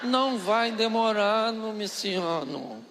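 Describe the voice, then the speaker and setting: A man voicing a wise older woman who sweet-talks her stern husband, speaking softly and slowly. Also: high-pitched, lively intonation, background noise, exaggerated voice. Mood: coaxing. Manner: soft, slow and coaxing.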